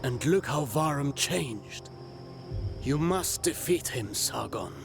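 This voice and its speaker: An actor playing a grave, supportive warrior comrade in a video game, speaking in a measured way. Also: male voice, mid-range voice, animated, creaky, over music.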